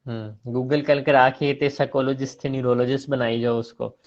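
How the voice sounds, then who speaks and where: A man's voice: mid-range voice, little pitch movement, moderate pace, highs cut off. A man giving an online class lecture, chiding and teasing his students.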